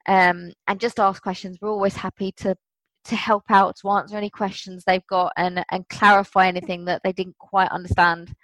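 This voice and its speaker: A woman's voice: medium pitch, flat delivery, moderate pace, fairly bright tone, dry recording, rough recording. Woman coach on a podcast, friendly and helpful, dry close sound. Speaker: podcast guest, fitness coach. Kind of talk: casual interview chat.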